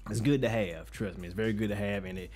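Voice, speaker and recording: A man with a deep, bassy voice hosting an informal, conversational tutorial in slangy everyday speech, recorded close on a studio microphone. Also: steady tone, fast, a little mellow, faint music behind. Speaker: music production tutorial host. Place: untreated home studio room with reflection filter. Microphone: studio microphone with pop filter, close up.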